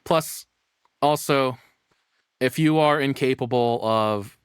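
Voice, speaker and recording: A man's voice: lowish voice, clean tone, no echo, studio quality. A man giving casual reaction commentary in a rambling, informal, sweary way. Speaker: reaction streamer.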